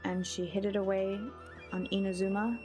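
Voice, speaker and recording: A woman livestreamer giving casual game commentary and chatting to viewers in a soft, hesitant, musing manner. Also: medium pitch, level tone, moderate pace, over music.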